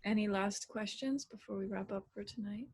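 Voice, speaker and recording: A woman with a middle-pitched voice speaking in a chatty, curious way, with small hesitations as she works through her thought. She sounds like a moderator guiding a group session. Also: moderate pace, darkish tone, husky. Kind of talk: casual discussion and hosting.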